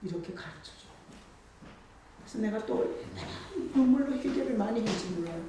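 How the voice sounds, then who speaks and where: A woman's voice: medium pitch, animated, fairly quick, dark tone, slight background noise. A woman pastor giving a sermon in a conversational preaching style. She acts out dialogue with God and rises to emphatic points. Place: church sanctuary. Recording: echoey church from a distance.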